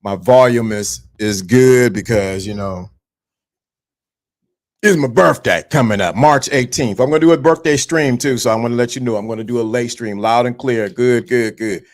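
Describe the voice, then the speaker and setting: A man's voice: medium pitch, normal speed. A man in his fifties hosting a live stream, giving a motivational talk to his viewers and repeating his key points. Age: 50s. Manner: repetitive, preachy, addresses viewers directly. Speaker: livestream host.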